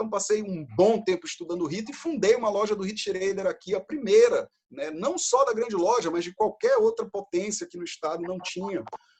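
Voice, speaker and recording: Speaking with a Brazilian accent, a man moves at a fairly quick pace with ordinary pitch variation. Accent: non-Maranhão Brazilian. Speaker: freemason lecturer. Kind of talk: online talk on Masonic rites. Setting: live stream.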